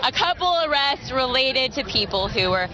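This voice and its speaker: Lively high-voiced American female reporter. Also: moderate pace. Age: 30s. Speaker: TV news reporter. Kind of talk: live news report. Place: busy city street at dusk. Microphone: handheld reporter microphone. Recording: loud crowd and street noise.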